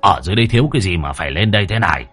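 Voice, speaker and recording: A gruff old master of ghost-catching, as a man puts him on, blunt and teasing. The voice sits low and husky, with lively rises and falls. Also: rapid-fire, faint music behind, exaggerated voice.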